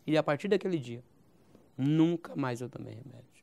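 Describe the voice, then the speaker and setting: Smooth-voiced Brazilian pastor in his forties. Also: mid-range voice, expressive, darkish tone. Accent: Brazilian Portuguese, Goiás. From Brazil, Goiás. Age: 40s. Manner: halting, repeats phrases, adds "né?", laughs easily. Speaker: pastor, interview guest. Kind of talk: recounting a personal testimony.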